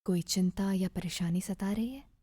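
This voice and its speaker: A woman narrating a guided meditation in a soft, breathy, soothing voice, measured and with gentle pauses. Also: mid-range voice, no room sound, studio quality.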